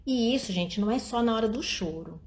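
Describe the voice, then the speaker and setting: A woman's voice: on the high side, animated, fairly quick. A middle-aged woman speaks outdoors at night in a live-stream talk on raising children. She talks to her viewers directly and acts out the words of parents and children. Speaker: early childhood education speaker.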